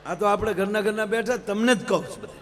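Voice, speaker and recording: A man with a Kathiawadi Gujarati accent telling jokes and sermons to a live audience as a folk stage comedian, preachy and lively. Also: high-pitched, fast, slight background noise. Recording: live event hall reverb, faint music.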